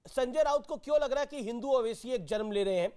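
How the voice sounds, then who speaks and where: A man's voice: extremely high pitch, quick pace, darkish tone, clean tone. A man hosting a heated TV news debate, cutting in insistently and repeating himself to moderate. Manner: interjecting, repetitive, insistent. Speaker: TV debate host.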